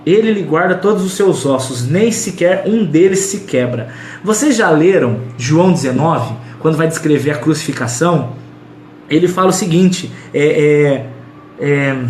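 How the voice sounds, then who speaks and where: A man's voice: a little high, echoey room, slight background noise. Emphatic Brazilian man teaching the Bible. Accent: Brazilian Portuguese. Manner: emphatic and repetitive, with slangy asides. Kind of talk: casual Bible study talk.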